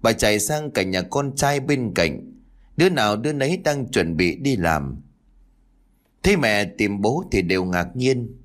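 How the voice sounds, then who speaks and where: A man narrating a scripted story in an expressive, dramatic way. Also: lowish voice, measured pace. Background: faint background music.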